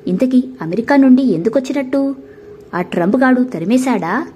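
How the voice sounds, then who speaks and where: A woman's voice: high-pitched, lively intonation, moderate pace, warm tone, a little hiss or hum. A woman voicing a proud, chatty middle-aged village wife who teases.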